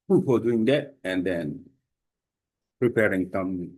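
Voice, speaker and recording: Guy teaching language on a video call, halting english w lots of uh and um, low mellow voice. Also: lively intonation. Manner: halting non-native English with fillers and throat clearing. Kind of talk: screen-share lesson, reading AI text aloud. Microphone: computer mic on a video call.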